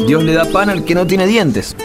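A man's voice: on the high side, normal speed, over loud music, close to an everyday voice. A man playing a friendly, easygoing priest in a radio drama. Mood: genial. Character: genial, easygoing male priest chatting with companions.

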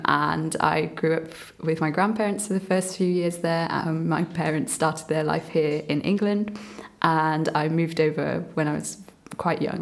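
A woman's voice: low voice, vocal fry. A young woman, a medical student guest, chatting eagerly in an interview with lots of fillers. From Burma. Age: young adult. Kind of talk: casual interview chat.

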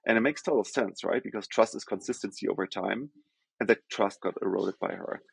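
A man from Germany with a German accent, a company founder explaining things in a measured podcast interview, often pausing with "um". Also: fairly low pitch, vocal fry, husky, dry recording. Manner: measured, explanatory, frequent "um" and self-corrections.

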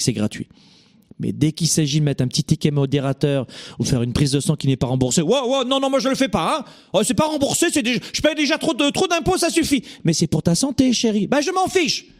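French-accented male host, mid-pitched, emphatic motivational coach, rhetorical questions, hesitant fillers. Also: mellow, no echo, clean studio sound. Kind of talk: motivational talk.

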